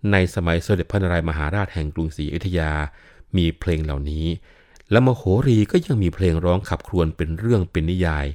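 A man's voice: deep voice, a little fast, warm tone. An older man giving a patient explanatory talk on classical literature, often adding polite particles. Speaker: lecturer on Thai classical literature.

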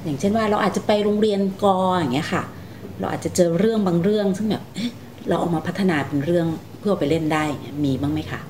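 A woman hosting a conversational interview, gently prompting her young guests with questions. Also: lowish voice, quick pace. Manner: gently prompting, calls herself "big sister" to young guests. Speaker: radio programme host interviewing two young sisters. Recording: faint background noise.

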